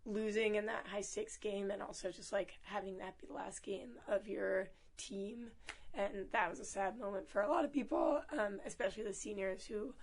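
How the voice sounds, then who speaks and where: A hoarse young woman, a student athlete and team captain, chatting casually in an interview with frequent laughs and fillers. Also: medium pitch, steady tone, normal speed. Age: young adult. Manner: upbeat, laughs often, many fillers.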